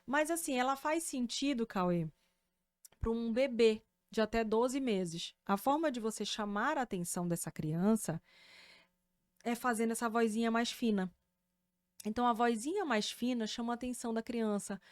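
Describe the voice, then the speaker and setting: Animated Brazilian woman explaining clearly. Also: a little high, normal speed, no room sound, clean studio sound. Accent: Brazilian Portuguese. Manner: didactic, animated, checks in with "né?" and "tá?". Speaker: speech therapist and podcast host. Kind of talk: explanatory podcast conversation.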